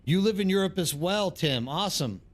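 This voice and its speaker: The East Texas streamer, American-accented, keeps up a rambling, casual chat with his audience during a game. He sounds high, expressive, and a little fast.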